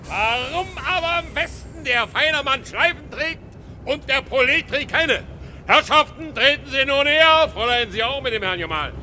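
An actor playing a brash, wisecracking street hawker, declaiming a sales patter in a radio drama. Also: male voice, extremely high pitch, expressive, normal speed, bright, forceful tone, exaggerated voice. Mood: loud salesmanship. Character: brash, wisecracking Berlin street hawker selling cheap wares. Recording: long reverb, faint street traffic noise.

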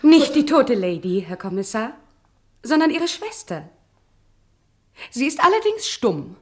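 A woman's voice: fairly high pitch, big pitch swings, unhurried. An actress playing a cool, composed woman of a villa household in a radio crime drama, formal and explanatory.

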